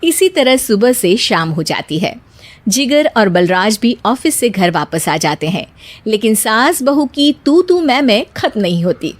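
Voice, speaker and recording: A woman giving scripted narration for a cartoon story, steady storytelling. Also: a little high, unhurried, no room sound.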